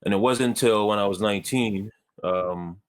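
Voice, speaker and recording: A man from Ghana with a voice on the low side appears as a guest in a conversation. He tells his life story in a measured, earnest way, adding light self-deprecating humor.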